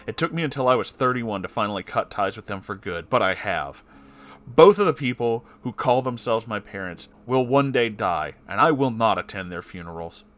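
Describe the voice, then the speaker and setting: Low-voiced man reading, cursing in asides. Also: expressive, normal speed, a bit bright. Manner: swears a lot in angry, sighing asides between passages. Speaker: channel host reading a story aloud. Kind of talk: reading a personal post aloud with heated asides.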